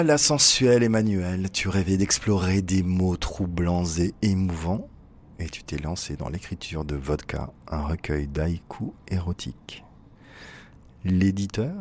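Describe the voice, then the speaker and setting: A man reading a literary first-person text as narrator, in an intimate, measured way. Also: deep voice, a little hiss or hum.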